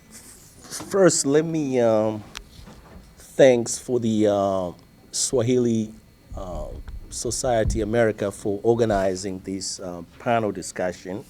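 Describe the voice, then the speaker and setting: A middle-aged man from Tanzania answers questions on a seminar panel. He talks haltingly, with frequent fillers and restarts, in an ordinary mid-range voice. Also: fairly low pitch, a little mellow, a little hiss or hum. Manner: hesitant, many fillers and restarts. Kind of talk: panel discussion. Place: seminar hall.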